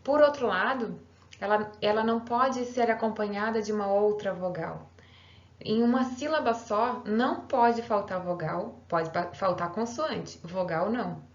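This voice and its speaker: Woman teacher, patient step-by-step explaining, slightly muffled recording. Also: on the high side. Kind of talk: recorded online grammar lesson. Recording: roomy, slightly dull home recording.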